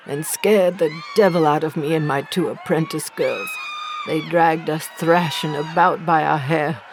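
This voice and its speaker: A woman playing an accused village healer, bitter and defiant, narrating a horror audio drama gravely and deliberately in a creaky voice. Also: low-pitched, slight background noise. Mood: agitated. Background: faint music.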